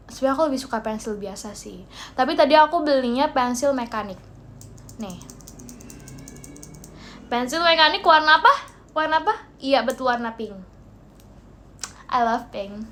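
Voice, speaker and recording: A young woman from Indonesia chats playfully through a livestream, her voice high and light as she reads out viewer gifts. She drifts into English phrases mid-sentence. A faint hiss of background noise sits under her phone-mic sound. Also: fairly bright tone. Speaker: idol livestream host. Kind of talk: casual livestream chat.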